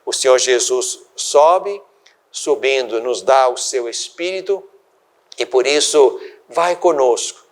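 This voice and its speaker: An older man from Brazil, a bishop hosting a religious program, giving a sermon-like reflection in slow, deliberate, measured phrases. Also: mid-range voice, expressive.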